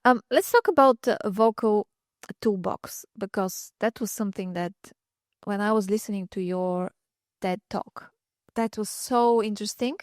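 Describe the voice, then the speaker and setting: A woman's voice: medium pitch, unhurried, no echo, clean studio sound. A woman hosting a podcast interview over a video call, asking open questions and often murmuring agreement. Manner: warm encouraging questions, frequent short agreements. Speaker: podcast host.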